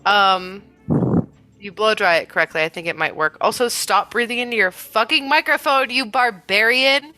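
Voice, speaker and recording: A woman's voice: mid-range voice, moderate pace, pushed and bright, no echo, low-quality recording. A young woman co-hosting a casual podcast chat, nasal and blunt, teasing with plenty of swearing. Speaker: podcast co-host.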